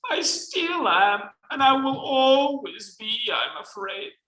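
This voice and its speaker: A man's voice: very high voice, lively intonation, slow pace, bright, forceful tone, pitched above the performer's own voice, exaggerated voice. A man with a Mexican accent reading aloud as a flamboyant, unashamed gay Southern man, putting on a Southern accent. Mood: wry. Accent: attempted Southern US. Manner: theatrical, campy read-aloud delivery. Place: bookstore event space. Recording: echoey room.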